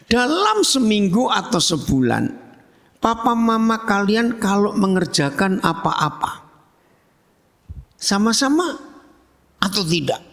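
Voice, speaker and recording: Lively, slow-spoken male pastor in a hall. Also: sits high, vocal fry. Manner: lively, humorous preaching with audience questions. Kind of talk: sermon. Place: church hall. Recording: long church hall reverb.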